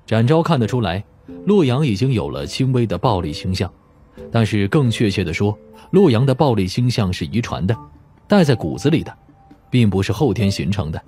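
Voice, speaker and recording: A man's voice: lowish voice, sing-song, brisk, darkish tone, soft background music. A man narrating a novel in a scripted, dramatic audiobook style.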